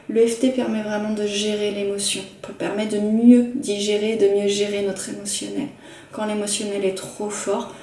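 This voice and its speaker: A woman teaching emotional tapping techniques in a gentle, repetitive, instructional manner. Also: medium pitch. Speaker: EFT practitioner. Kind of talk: calm instructional talk. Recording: roomy sound from a distant mic with faint noise.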